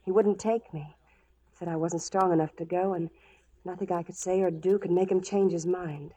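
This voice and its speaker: A woman's voice: lowish voice, fairly even intonation, normal speed, mellow, slightly rough, lo-fi sound. An actress playing a proud, lovelorn, bold frontier woman in a radio western, speaking directly and challengingly, with yearning. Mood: wistful, defiant. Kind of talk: 1940s radio western acting.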